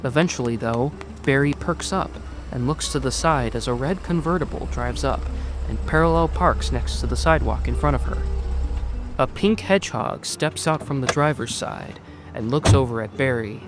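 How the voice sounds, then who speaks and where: A man's voice: medium pitch, moderate pace. A man reading scripted third-person story narration for an audio drama. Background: music under the voice.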